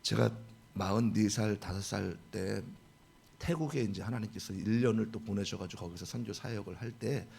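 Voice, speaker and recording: A man's voice: lowish voice, moderate pace, vocal fry, slight background noise. A pastor in his forties preaching a sermon, acting out the dialogue of the people in the passage. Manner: animated, acts out dialogue in quotes.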